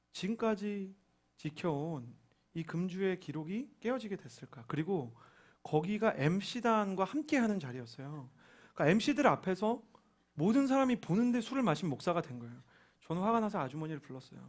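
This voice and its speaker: A young adult man preaching a sermon as a pastor, telling a story and acting out the voices in it. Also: sits high. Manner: animated, acts out quoted voices.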